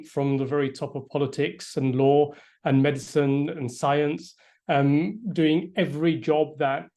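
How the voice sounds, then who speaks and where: Middle-aged yorkshire guy, lawyer, emphatic and earnest, kinda high but mellow voice. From Yorkshire, England. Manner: emphatic, repeats words when restarting. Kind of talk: earnest public address.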